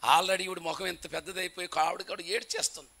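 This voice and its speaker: A man's voice: high-pitched, level tone, fast talker, creaky, pushed and bright. A male pastor preaching a sermon in a dramatic storytelling manner.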